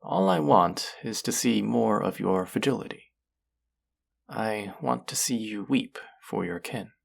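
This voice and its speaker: Here the cruel alien collector-artist of an audio drama sounds menacing and rapturous, speaking to a captive with false kindness in a dramatic second-person monologue. The medium-pitched voice is gravelly and exaggerated, condescending and cooing, slowly relishing the words and repeatedly falling into whispers.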